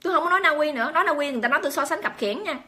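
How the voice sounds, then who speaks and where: A vlogger speaks directly to her viewers in an emphatic monologue to camera. Her high-pitched voice is bright, forceful, animated and very fast, and she keeps exclaiming and firing rhetorical questions at them.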